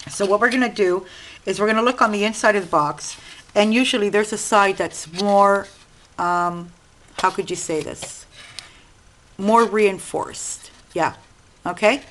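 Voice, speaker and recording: A woman with an Italian-American accent hosting a casual craft tutorial at her home desk, chatting and explaining as she cuts and works, clearing an itchy throat now and then. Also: medium pitch, unhurried, long pauses, a bit bright, rough recording. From Sicily. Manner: chatty, explaining while working with hands. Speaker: craft channel host.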